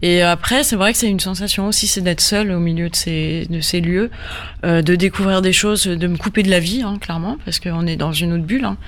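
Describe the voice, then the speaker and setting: Woman, from Normandy, radio guest, halting speech, lots of fillers, restarts mid-sentence. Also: on the low side. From Normandy, France. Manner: hesitant, many fillers and restarts. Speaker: guest photographer. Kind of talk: radio interview.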